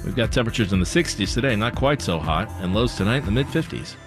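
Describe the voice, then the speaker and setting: A man reads the local news as a radio anchor, his voice pitched on the low side and his delivery loose and conversational, with the odd "uh" slipping in. A clear music bed plays under him the whole time. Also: fast talker. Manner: relaxed, conversational reading with fillers. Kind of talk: radio newscast.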